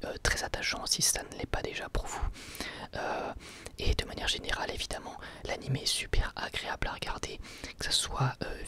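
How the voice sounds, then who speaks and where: A person whispering a casual, enthusiastic ASMR review in a soft, breathy voice, with slangy wording, as host of an anime channel. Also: mid-range voice.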